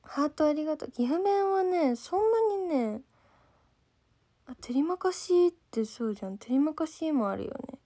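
Young woman, slightly high voice, light Gifu accent, rambling livestream chat to fans, lots of fillers. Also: expressive, normal speed, warm tone. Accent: mostly standard Japanese with a light Gifu dialect. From Gifu, Japan. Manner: chatty and rambling, loses her thread, fills with "nanka". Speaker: idol trainee livestreaming to fans. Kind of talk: casual livestream chat reading viewer comments.

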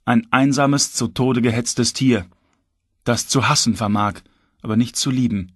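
A man reading an audiobook in measured, tense first-person narration. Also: medium pitch, steady tone, slightly rough, dry recording, studio quality. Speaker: audiobook reader.

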